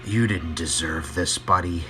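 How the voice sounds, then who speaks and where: A man voicing a kind, very old male steam engine in a soft, earnest manner. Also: deep voice, measured pace, over music. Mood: gentle.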